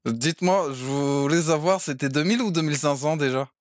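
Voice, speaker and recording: A man's voice: on the high side, fairly quick, no echo, clean studio sound. A man streaming a roleplay game as a cheeky defendant, talking in slang and laughing often. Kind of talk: in-character roleplay chat.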